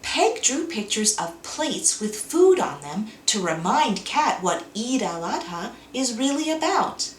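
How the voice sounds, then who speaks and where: A woman narrates a children's picture book with lively, swooping intonation. She takes her time over each phrase. The room adds audible echo and there is faint noise behind her. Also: a little high. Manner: expressive, deliberate. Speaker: children's book author and co-reader. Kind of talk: animated read-aloud storytelling for children.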